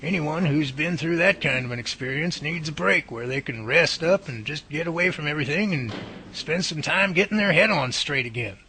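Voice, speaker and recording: A man's voice: on the high side, expressive, moderate pace, sharp tone, slight background noise. A man playing an earnest, reassuring professor who studies Bigfoot, explaining things emphatically in a radio drama. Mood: calm. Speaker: Bigfoot researcher character. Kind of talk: amateur radio drama dialogue.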